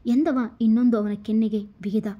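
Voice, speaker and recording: A woman with a Kannada accent tells a serialized romance aloud, voicing every character herself. Her voice is husky, dark and mellow, and sits a little high for a woman. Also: steady tone, fairly quick, dull audio. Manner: reads every part herself, quotes louder than the narration. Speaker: storyteller. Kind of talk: scripted story narration with dialogue.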